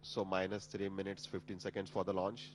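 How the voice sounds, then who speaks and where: Male launch commentator, Indian accent, fairly deep, measured and formal, slight hum behind the voice. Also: monotone. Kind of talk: live technical commentary. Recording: humming background noise.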